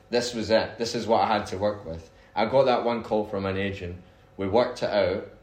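Audible room echo surrounds a man with medium pitch. He talks at a fairly quick pace with fairly even intonation. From Scotland, West Coast. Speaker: real estate agent, podcast co-host. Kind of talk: casual chat.

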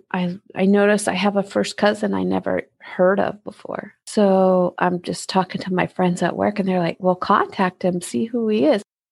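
In an ordinary speaking voice, a woman with an American accent and medium pitch talks at a moderate pace with hardly any pauses and fairly even intonation, the sound dry and close with no echo and the background quiet. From California, Central Valley. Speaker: interview guest sharing family story. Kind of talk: personal testimony.

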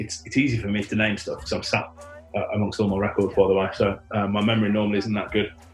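A man with an English accent, fairly low pitch and fairly even intonation, talking at a very fast pace amid noticeable background noise. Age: 40s. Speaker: guest making a music mixtape. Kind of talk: casual chat.

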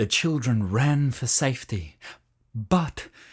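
The background stays quiet as someone reads in an unforced reading voice.

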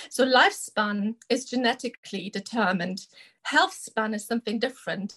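Speaking at a moderate pace with ordinary pitch variation, a woman with a German accent has a fairly high pitch and a bright, sharp tone, recorded in a dry, close sound with no echo. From Germany. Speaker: doctor and menopause specialist. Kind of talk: interview.

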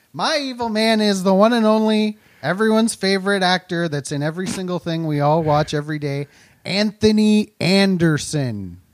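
A man at a moderate pace, high-pitched, in a very clean recording with a silent background. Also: lively intonation. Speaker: comedian guest. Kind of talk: casual comedy chat.

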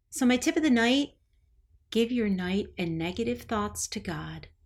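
A woman's plain, everyday voice, with lively intonation, a fairly slow pace, and a very clean recording over a silent background. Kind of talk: devotional podcast with prayer. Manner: warm, earnest, intimate; sincere pleading, heartfelt.

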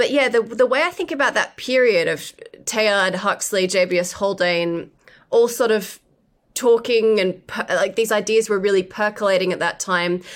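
A woman with an Australian accent talks with ordinary pitch variation on a very clean recording with a silent background. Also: fairly high pitch for a woman, moderate pace. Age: 30s. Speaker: historian and researcher. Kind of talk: interview.

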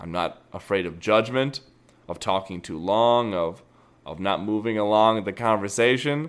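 With a fairly low pitch, a man talks at a moderate pace, showing ordinary pitch variation and big swings in loudness. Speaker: podcast host. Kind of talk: casual chat. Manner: animated.

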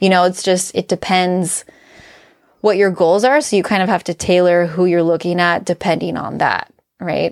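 A woman with an unremarkable speaking voice talks at a moderate pace and medium pitch with fairly even intonation, on a very clean recording with a silent background and a dry, close sound with no echo. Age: 30s. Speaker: fitness enthusiast and weightlifter. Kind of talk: casual chat.

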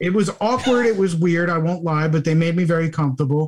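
A high-pitched male voice in an American accent at a moderate pace, with ordinary pitch variation. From US Northeast, South Jersey. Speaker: wellness coach. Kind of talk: casual interview.

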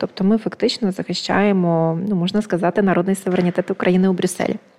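Speaking at a fairly quick pace, a woman has a plain, everyday voice with medium pitch and ordinary pitch variation. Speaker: diaspora advocacy organization head. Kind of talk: interview.

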